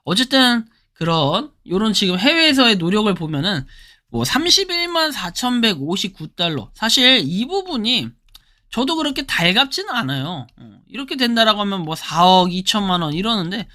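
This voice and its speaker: A woman with a hoarse throat hosting her own channel, giving casual spoken commentary as she explains what is on her screen and often starts sentences with a prompting word. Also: mid-range voice, very animated, normal speed, pushed and bright. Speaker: crypto channel host.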